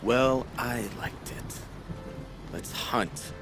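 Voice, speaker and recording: An actor playing a jovial tribal hunter in a video game, with a dry, playful grandeur. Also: male voice, mid-range voice, extremely slow, over music. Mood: wry, relaxed.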